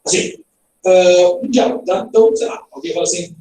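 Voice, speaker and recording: A man teaching a recorded grammar lesson in a lively, playful way, quizzing his students with questions. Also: high voice, fairly quick. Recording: roomy echo, heard from a distance.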